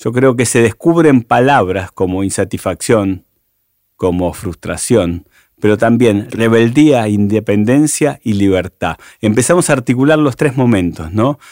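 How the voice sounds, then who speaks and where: In a plain, everyday voice, a man talks at a fairly slow pace with lively intonation and very even loudness, the sound dry and close with no echo on a very clean recording with a silent background. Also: medium pitch for a man. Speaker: history teacher and podcast host. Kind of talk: scripted narration.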